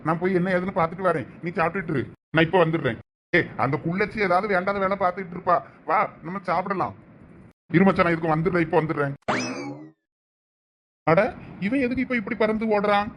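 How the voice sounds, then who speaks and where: A man's voice: high voice, fast talker, a little hiss or hum, close to an everyday voice. A man playing a senior student, keeping up a nosy running commentary on what he sees. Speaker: senior student in a comedy skit.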